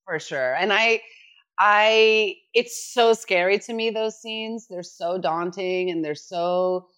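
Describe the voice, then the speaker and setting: A middle-aged woman from New York City, an actor, chatting casually as a podcast guest, animated and quick to laugh, often restarting her sentences. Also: mid-range voice. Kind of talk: casual chat.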